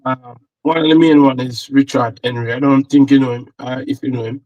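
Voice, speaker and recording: A man's voice: medium pitch, steady tone, brisk, darkish tone, lo-fi sound. A Jamaican man, a football analyst, chatting casually and rambling with repeated words. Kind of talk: casual chat.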